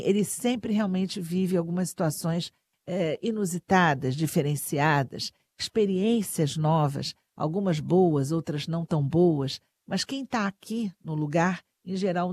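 A woman's voice: on the low side, measured pace, darkish tone, no room sound. A woman hosting an interview, introducing her guest and asking questions in an admiring way.

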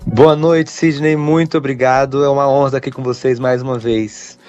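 A young man, a guitarist talking in a relaxed, rambling way as an interview guest. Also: medium pitch, a little fast, highs cut off, soft background music. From Brazil. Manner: relaxed, rambling, many fillers like "né". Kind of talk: casual interview chat.

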